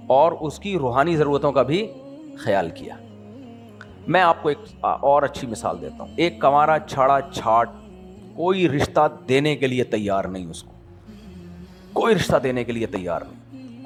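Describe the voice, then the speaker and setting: A middle-aged man from Pakistan giving a conversational sermon, throwing rhetorical questions at his listeners and acting out small everyday dialogues. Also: mid-range voice. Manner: animated, asks the audience rhetorical questions and acts out little dialogues. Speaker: Islamic preacher.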